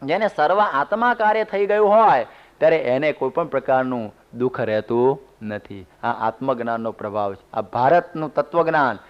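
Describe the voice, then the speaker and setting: Male monk, sermon delivery, folksy storyteller, smooth clear tone, muffled lo-fi recording. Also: mid-range voice, normal speed. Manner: storytelling, homely humorous asides. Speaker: monk giving a religious discourse. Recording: dull lo-fi CD recording.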